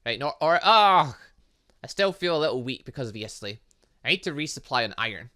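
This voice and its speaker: A young man hosts a casual gaming commentary in a bright, forceful voice. His pitch moves up and down a lot as he rambles, thinks aloud and mutters little filler sounds to himself. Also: big pitch swings, a little fast. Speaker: gaming channel host. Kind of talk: casual let's play commentary on a visual novel game.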